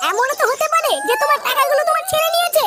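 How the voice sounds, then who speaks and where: A woman's voice: very high-pitched, very fast. A woman voicing a nagging but protective village housewife in a comic cartoon dub, scolding and exclamatory.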